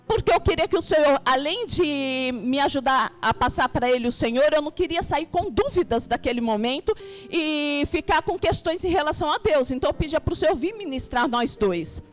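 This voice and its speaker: A middle-aged woman with a Brazilian Portuguese accent giving an earnest, halting personal testimony in church. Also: sits high, expressive. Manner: halting, earnest, emotional storytelling. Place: church hall.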